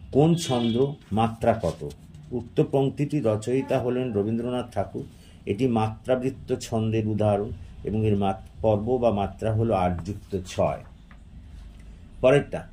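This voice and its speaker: A male teacher works through exam questions one after another, answering each in a steady dictating manner. His voice sits low and mellow, and there is a faint noise behind it.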